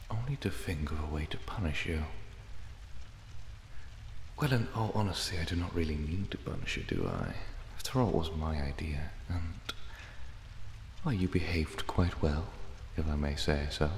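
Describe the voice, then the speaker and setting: A man's voice: rumbling low, animated, unhurried, pauses often, darkish tone, heavily acted. A man playing a possessive, menacing cat demon in an ASMR roleplay, taunting with mock affection. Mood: musing, smug. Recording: echoey hall reverb, clear background noise. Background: ambient sound effects.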